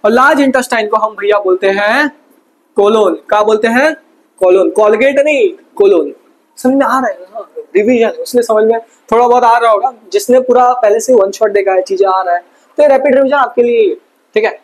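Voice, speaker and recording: A man teaching a fast exam revision lesson, casual and chatty, asking quick questions and answering them himself. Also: sits high, rough recording. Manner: quizzes himself with quick call-and-response questions. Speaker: science tutor.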